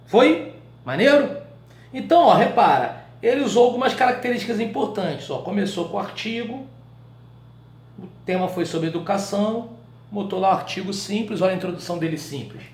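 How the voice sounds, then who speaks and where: A Brazilian man teaching a live writing class in a colloquial, animated way, often checking in with his students through short questions. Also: high-pitched, a little fast, roomy sound, a little hiss or hum. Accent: Brazilian Portuguese.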